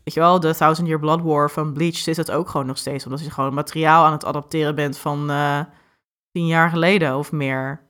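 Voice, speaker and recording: A woman co-hosting a casual podcast chat, lively and opinionated, speeding up when she makes a point. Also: deep voice, a little fast. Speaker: podcast co-host.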